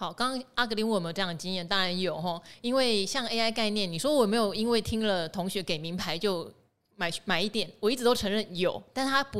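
In a very clean recording with a silent background, a woman speaks in a normal speaking voice. Her pitch is medium, her pace fairly quick and her intonation lively. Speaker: podcast co-host. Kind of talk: casual chat about investing news.

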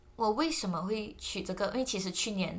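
This woman talks with a Malaysian accent. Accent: Malaysian accent, noticeable. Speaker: former radio host, podcast guest. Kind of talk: casual chat.

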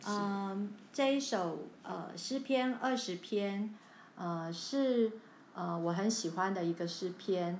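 A woman with a Taiwanese accent speaks very slowly at medium pitch, using ordinary pitch variation, with audible room echo. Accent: Taiwanese Mandarin. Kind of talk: casual chat; prayer.

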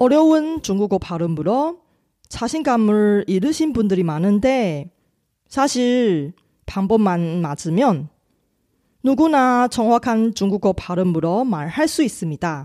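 A woman speaks at a very slow pace with very wide pitch swings. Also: medium pitch for a woman. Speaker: Chinese language teacher. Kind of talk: language lesson, tutorial. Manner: formal, teacherly.

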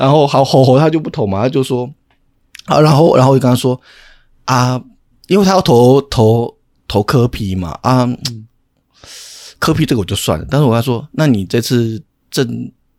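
A man at medium pitch with ordinary pitch variation, a moderate pace and long, frequent pauses, in a dry, close sound with no echo and a very clean recording with a silent background. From Taiwan, Tainan. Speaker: podcast co-host. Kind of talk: casual chat.

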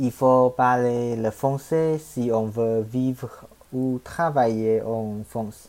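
Speaking at a very slow pace, a man keeps a medium pitch. His intonation stays fairly even. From Taiwan. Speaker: podcast host, French learner. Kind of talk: language-learner monologue. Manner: halting.

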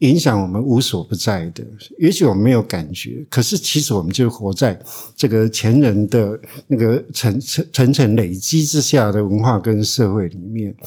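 Over a very clean recording with a silent background, a man with a Taiwanese accent speaks at a moderate pace and medium pitch, in a dark, mellow tone with lively intonation. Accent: Taiwanese Mandarin. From Taiwan, Hualien. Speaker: literature professor. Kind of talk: interview. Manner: halting.

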